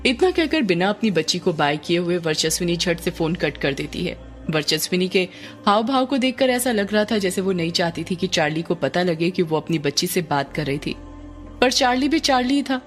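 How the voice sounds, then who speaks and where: A woman reading a horror story aloud in a steady, expressive scripted narration. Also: fairly low pitch, normal speed. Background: faint music.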